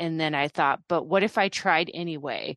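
Speaking in an ordinary speaking voice, a woman has a fairly low pitch, fairly even intonation and a fairly quick pace, with a dry, close sound with no echo and a quiet background. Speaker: podcast panel guest. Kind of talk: casual chat.

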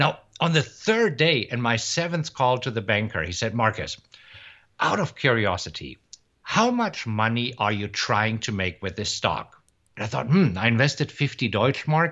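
A man speaks at a moderate pace with a German accent. His intonation is lively. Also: medium pitch for a man. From Germany. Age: 50s. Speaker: professional trader. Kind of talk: interview. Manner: animated.

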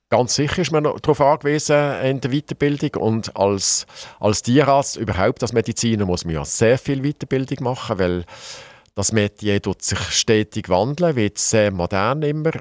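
A man with a Basel accent and lively intonation, in a very clean recording with a silent background and a dry, close sound with no echo. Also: medium pitch for a man, moderate pace. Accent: Basel Swiss German dialect. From Switzerland, Basel-Landschaft. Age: 60s. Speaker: veterinarian and municipal president. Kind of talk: radio interview.

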